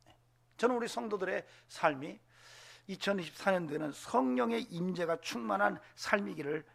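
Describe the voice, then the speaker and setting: A man preaching a Sunday sermon, animated, acting out voices and dropping to whispers. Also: on the high side, gravelly, breathy edge. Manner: animated, acts out voices in quotes, drops to whispers. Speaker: pastor. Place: church sanctuary.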